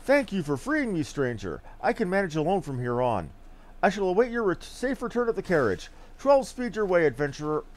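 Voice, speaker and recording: A man's voice: high voice, big pitch swings, brisk, a little hiss or hum. Formal, shaken coachman for a fantasy game, done by a male streamer, lightish voice, very varied intonation. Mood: grateful. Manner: formal, archaic storybook phrasing. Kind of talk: reading game dialogue aloud in character.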